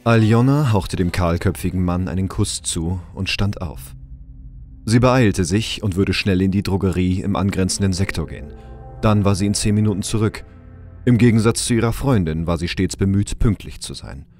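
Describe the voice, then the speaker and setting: A man's voice: sits low, moderate pace, a little mellow, faint music behind. A man giving scripted narration for an audio drama.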